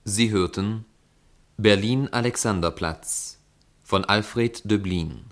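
A man reading formal scripted credits as a radio announcer, with measured enunciation. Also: on the low side, a bit bright.

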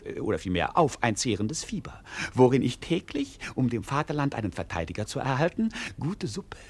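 Lazy rogue fool in a radio play, husky, swooping all over, grand and playful. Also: male voice, medium pitch, sing-song, fairly quick, darkish tone. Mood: mock-earnest rambling. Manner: declamatory, playful, sometimes sing-song. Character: idle, roguish wandering fool with mock-grand fantasies. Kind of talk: theatrical German radio play acting.

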